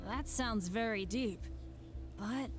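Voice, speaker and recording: A woman's voice: on the high side, takes it slowly. An actress voicing an earnest, upbeat young male adventurer in a game, eager, encouraging and sincere. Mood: grateful, sincere. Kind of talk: scripted anime game voice acting. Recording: game music behind the voice.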